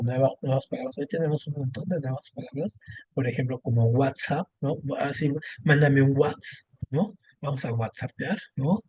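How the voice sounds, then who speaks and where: A man's voice: mid-range voice, mellow, husky, no room sound. A man gives an online language lesson. He explains step by step and keeps checking in with "¿no?" and "este". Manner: explanatory, frequent "¿no?" and "este" fillers. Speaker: Spanish language teacher. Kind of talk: online class lecture.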